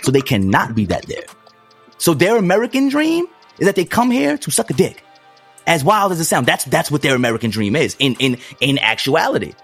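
Animated man arguing his point hard. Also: fairly high pitch, fairly quick, husky, soft background music. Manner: emphatic, interrupts, swears, repeats "listen". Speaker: podcast co-host. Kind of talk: heated casual debate.

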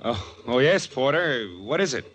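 An American actor playing a cocky, smooth-talking counterfeiter in a 1940s radio drama. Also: male voice, mid-range voice, expressive, normal speed, a bit bright, natural voice. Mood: startled, guarded.

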